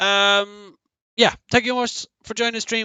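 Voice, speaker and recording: At a moderate pace, a man talks in an Irish accent. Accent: Irish, drops TH sounds. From Ireland. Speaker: gaming streamer. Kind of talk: live stream chat. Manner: casual, rambling with fillers.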